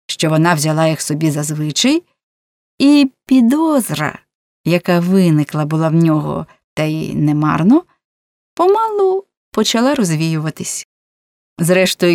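Low-voiced woman reading a novel aloud. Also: no echo, clean studio sound. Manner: expressive reading with rising emphasis. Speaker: audiobook narrator. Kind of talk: scripted narration of a novel.

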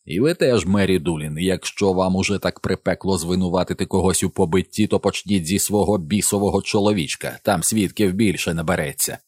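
A man's voice: low-pitched, steady tone, brisk, hardly any pauses, darkish tone, dry recording. Man doing a blunt weary cop. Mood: stern authority. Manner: blunt, commanding. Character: gruff weary middle-aged male police officer. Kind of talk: audiobook character voice.

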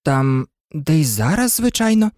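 A woman's voice: deep voice, very animated, measured pace, dark tone, no room sound, studio quality. A woman voicing a sensible, polite young girl in a storybook reading, earnest and thoughtful.

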